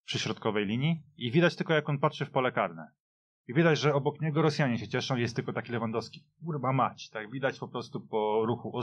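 A man's voice: mid-range voice, dry recording. A man reminiscing casually about football as a panelist, speaking in an emphatic, opinionated way. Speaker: podcast panelist. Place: dry radio studio.

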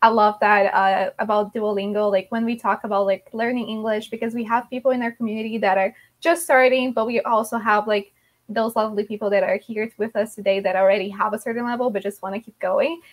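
This woman, host of an English learners' club, runs an online club interview over a video call. Her medium-pitched voice stays steady and fairly quick, and her chatty talk is sprinkled with likes and restarts.

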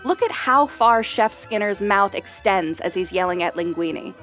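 A woman giving scripted narration for an explainer video, clear and measured. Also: mid-range voice, lively intonation, fairly bright tone, faint music behind.

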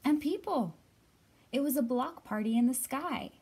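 A woman's voice: high voice, lively intonation, moderate pace, a little mellow, slightly rough. A woman in her thirties hosting a storytime for young children, speaking expressively as she talks and reads aloud. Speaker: children's library storytime host. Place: library room with bookshelves, indoors.

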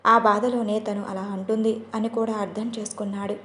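A woman's voice: mid-range voice, flat delivery, fairly quick, fairly bright tone, slight background noise. Woman storyteller in an echoey room. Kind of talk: scripted audio-story narration. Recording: roomy echo.

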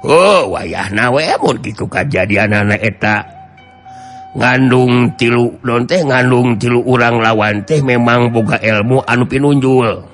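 A man voicing an old mystic master in a radio drama, halting and resigned, with a Sundanese accent. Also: medium pitch, a bit bright, faint music behind, close to an everyday voice.

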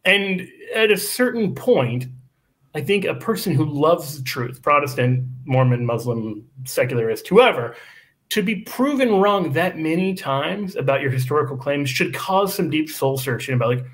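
A man in his thirties, a guest on a podcast, making an animated, argumentative case over a video call. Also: on the high side. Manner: animated, argumentative, quick asides. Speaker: guest apologist. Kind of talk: casual podcast discussion. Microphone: video call microphone.

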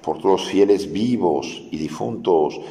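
A man, a priest, giving a catechism lesson for adults and explaining slowly, often repeating his key phrases. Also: sits low, creaky, dark tone. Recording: echoey hall with long reverb.

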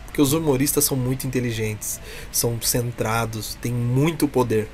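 A man with a Brazilian Portuguese accent, a clown performer from a humour troupe, speaks as an interview guest with earnest emphasis and heartfelt encouragement. His voice is medium in pitch, a little mellow, at a moderate pace. He's in a small room with a curtain backdrop, captured on noisy webcam call audio.

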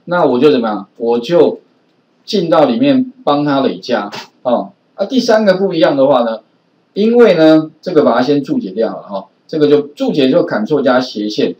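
The lecturer, a male programming teacher with a Taiwanese Mandarin accent, has a medium-pitched, sing-song and slightly mellow voice at normal speed. He chats his way through the class with lots of filler particles, recorded in distant, roomy, dull lo-fi audio.

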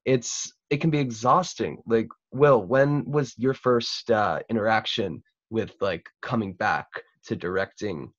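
A man in his twenties hosting a casual chat over a video call, animated and informal. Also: fairly low pitch, unhurried, few pauses, no room sound. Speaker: host. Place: room at home, video call. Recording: dull, dry video-call audio.

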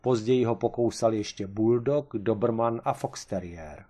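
A man's voice: fairly low pitch, dark tone. A man narrating a humorous short story as an audiobook, in a dry, matter-of-fact manner.

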